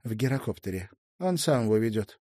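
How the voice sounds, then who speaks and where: A man's voice: fairly low pitch, expressive, fairly quick, dark tone, no room sound, clean studio sound. A man voicing a blunt, defiant young woman who speaks in short, raised questions in an audiobook. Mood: matter-of-fact.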